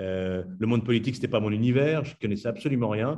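A man at medium pitch, talking at a very fast pace. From France, Blois (Loir-et-Cher). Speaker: nonprofit founder. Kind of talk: interview.

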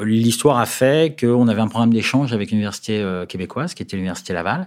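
On a very clean recording with a silent background, a man talks fairly quickly at medium pitch in a normal speaking voice. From Paris. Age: 50s. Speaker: marketing executive. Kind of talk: interview.

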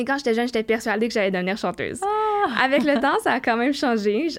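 A woman speaks quickly in a normal speaking voice, her pitch fairly high. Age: 20s. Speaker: podcast host. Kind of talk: interview.

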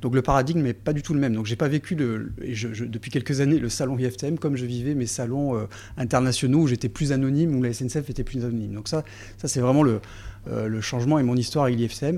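Fairly quick in pace, a man speaks at medium pitch with a dark, mellow tone and ordinary pitch variation. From southern France, Marseille. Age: 40s. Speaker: rail company business director. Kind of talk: interview. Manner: halting.

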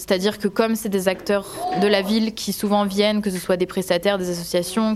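A woman talks at a medium pitch with fairly even intonation. Noticeable background noise is present. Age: 20s. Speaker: civic service volunteer, activity programmer. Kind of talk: interview.

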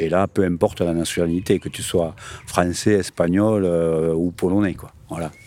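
A man with a very deep, low pitch speaks at a fairly slow pace in a monotone, flat way, with hardly any pauses and big swings in loudness. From Aveyron, southern France. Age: 60s. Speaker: local cultural organizer. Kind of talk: interview.

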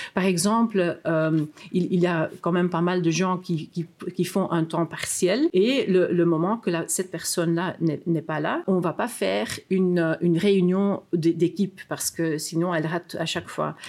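A woman talks at a fairly slow pace with a fairly low pitch. Her intonation is fairly even. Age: 40s. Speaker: recruitment consultant and lecturer. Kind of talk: interview. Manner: halting, with repeated words.

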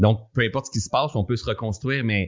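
Here is an ordinary speaking voice from a man. His pitch is fairly low, with ordinary pitch variation. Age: 40s. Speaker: mindfulness teacher. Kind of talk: interview.

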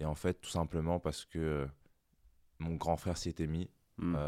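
A man speaks in a monotone, flat intonation at a very deep, low pitch and a moderate pace. The sound is dry and close with no echo, and the recording is very clean against a silent background. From Paris suburbs, France (Seine-Saint-Denis). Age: 20s. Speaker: professional American football player. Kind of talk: casual interview.

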